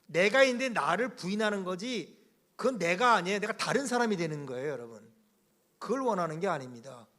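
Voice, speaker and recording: A man speaks with a high pitch and a bright, sharp tone, his pitch swinging very widely. Audible room echo is present. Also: fairly quick pace. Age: 60s. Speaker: pastor. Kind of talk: lecture.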